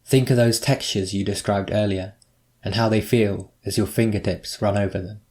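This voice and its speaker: A man narrating a scripted guided meditation, giving measured, instructive prompts with pauses between them. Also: on the low side, steady tone, darkish tone.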